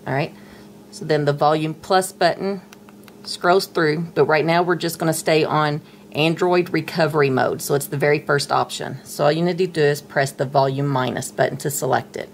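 A middle-aged woman talks through a hands-on tablet tutorial in a patient, chatty way. Her voice sits low, and a faint hiss runs under the indoor recording. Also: steady tone, moderate pace. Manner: patient, chatty, talks while handling the device. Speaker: tech tutorial presenter. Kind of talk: casual step-by-step tutorial. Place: indoors at a table, dim room.

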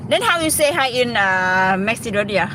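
A woman's voice: a little high, lively intonation, moderate pace. A Thai woman chatting with a taxi driver in broken English and plenty of fillers, her words carrying a Thai accent, on a live-streamed travel vlog. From Thailand. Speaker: travel vlogger. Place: in a taxi in city traffic. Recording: phone live stream with loud traffic noise.

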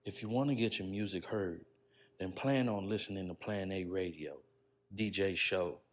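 A man's voice: low voice, moderate pace. A man reading a promotional announcement as an announcer.

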